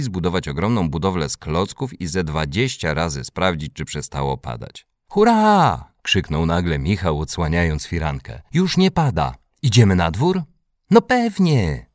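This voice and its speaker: Mężczyzna, bardzo niski głos, żywa intonacja, czyta bajkę dla dzieci, suche nagranie. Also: male voice, very deep voice, no echo, clean studio sound. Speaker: audiobook reader. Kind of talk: children's storybook narration.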